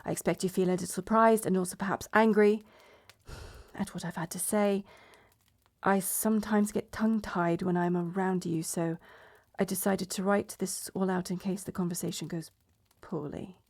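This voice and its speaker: In a medieval romance audio roleplay addressed to the listener, a woman plays a proud, blunt betrothed princess who is sardonic and exasperated. Her mid-range, slightly mellow voice keeps a fairly even intonation at normal speed, lightly acted in a subdued reading.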